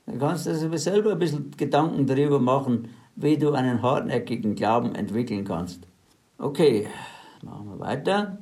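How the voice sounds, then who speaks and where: Earnest preacher man, a bit high. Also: mellow. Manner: retells scripture in plain everyday words, earnest. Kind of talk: sermon.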